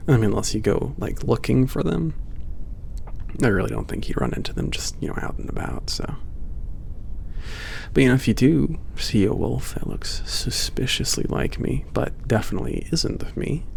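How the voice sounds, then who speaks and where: A man playing an easygoing, modest werewolf spaceship worker in a casual roleplay ASMR audio drama, gravelly and often dropping to a murmur, hesitant and self-deprecating as he talks. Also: medium pitch, slight background noise. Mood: light, teasing. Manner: hesitant, rambling, self-deprecating, softly chuckling. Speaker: coworker training a newcomer.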